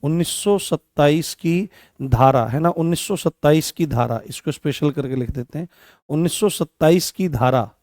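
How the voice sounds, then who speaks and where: A man teaching an online coaching class in a slightly high voice. He says the key terms again and again as he writes them out, and poses questions that he answers himself. The sound is dry and close, with no room echo. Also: moderate pace, a little mellow. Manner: repeats key phrases many times while writing on a board.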